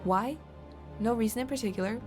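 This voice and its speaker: A woman giving scripted documentary-style narration of her own video, with dry, deadpan humor and a slow, deliberate delivery. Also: a little high, soft background music.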